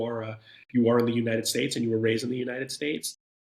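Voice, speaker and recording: A man's somewhat breathy voice. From New York City, US (Nuyorican). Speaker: author and artist. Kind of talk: interview conversation.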